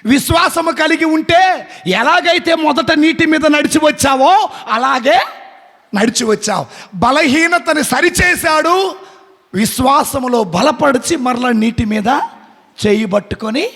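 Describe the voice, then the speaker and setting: A man's voice: very high voice, measured pace, vocal fry, long pauses, fairly bright tone. A man, a Catholic priest, preaching a sermon, often asking his listeners questions and answering them himself, and acting out the words of the people he quotes. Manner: acts out quoted speech in shifting voices. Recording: long hall reverb.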